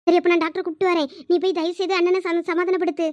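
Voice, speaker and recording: A woman's voice: very high-pitched, level tone, racing, darkish tone, dry recording, lo-fi sound. A woman voicing an anxious young woman who speaks urgently.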